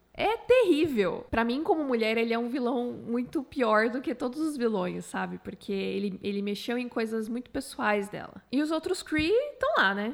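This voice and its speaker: A high-pitched woman's voice with lively intonation and hardly any pauses. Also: moderate pace. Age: 20s. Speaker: podcast host. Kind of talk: casual chat.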